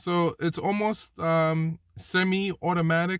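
A man is heard in a dry sound with no echo over a quiet background. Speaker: car owner vlogger. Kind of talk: tutorial. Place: car. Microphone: phone near.

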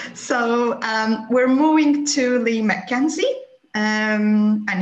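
A woman's somewhat breathy voice carries lively intonation over audible room echo. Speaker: academic supervisor and seminar chair. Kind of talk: seminar moderation. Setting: video call. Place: home room. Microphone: video call.

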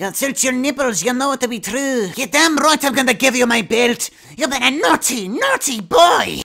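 The speaker performs in a put-on character voice pitched fairly high. The pace is moderate.

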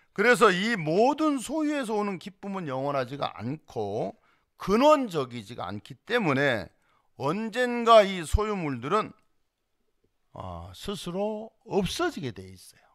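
A man speaks very slowly in a high pitch, with very wide pitch swings and big swings in loudness. The background is quiet. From Korea, Chungcheong (Gongju); Chungcheong, Korea. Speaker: Buddhist monk leading a Sunday service. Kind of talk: dharma talk. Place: hall. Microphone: studio mic.

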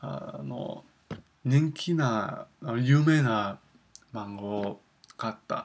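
A man speaks at a very slow pace with long, frequent pauses, lively intonation and big swings in loudness. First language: English (speaking Japanese). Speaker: language learner vlogger; Japanese learner vlogger. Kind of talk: casual video diary. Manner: halting, many fillers. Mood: cheerful, smiling. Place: home room. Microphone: webcam.

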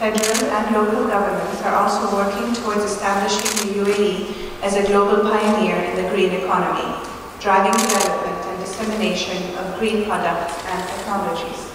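A woman at a fairly quick pace in a monotone, flat intonation, amid strong room echo and noticeable background noise. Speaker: keynote speaker. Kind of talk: formal speech. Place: hall. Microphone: podium.

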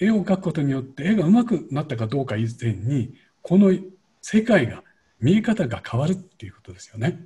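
Against a quiet background, a man speaks at a fairly quick pace in a somewhat breathy voice with very wide pitch swings. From Japan. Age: 70s. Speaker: painter, watercolour teacher. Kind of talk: interview answer. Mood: warm, smiling, gentle. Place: home room. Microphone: studio mic.

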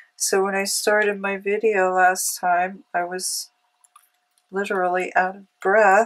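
Her loudness shows big swings while her intonation stays monotone and flat. The woman speaks at medium pitch and a very slow pace. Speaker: craft tutorial host. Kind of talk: tutorial. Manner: casual, self-deprecating.

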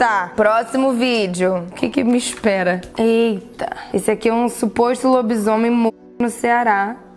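A woman talks at a fairly slow pace with ordinary pitch variation. Faint music plays in the background. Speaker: youtuber. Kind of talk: reaction video commentary. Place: home room. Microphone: lapel.

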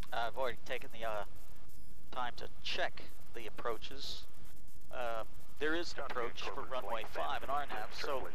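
Heard through noticeable background noise, a man speaks at a moderate pace with very even loudness, ordinary pitch variation and long, frequent pauses, the sound dry with no echo. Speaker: flight instructor pilot. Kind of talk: tutorial. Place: plane. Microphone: headset.

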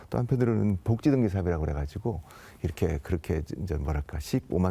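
A man speaks very fast in a very deep, low voice, somewhat breathy, with a dark, mellow tone and lively intonation. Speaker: government vice minister. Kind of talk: TV interview, policy explanation. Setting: TV studio. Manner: frequent fillers and hesitations.

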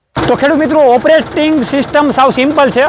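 Over noticeable background noise, a man talks at an extremely high pitch with fairly even intonation. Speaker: agriculture video host. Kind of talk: promotional interview and product demo.

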